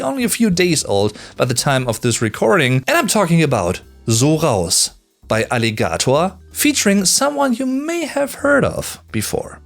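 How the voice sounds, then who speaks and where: German native guy in his early 30s doing music review vlog, kinda high voice, super animated and chatty, music playing under him. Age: early thirties. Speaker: music reviewer, YouTube host. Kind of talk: scripted countdown commentary with casual asides.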